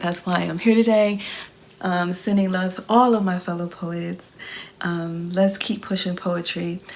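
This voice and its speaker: Behind noticeable background noise, a woman speaks at a fairly slow pace in a medium pitch with monotone, flat intonation. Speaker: spoken word poet. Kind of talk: casual talk to audience.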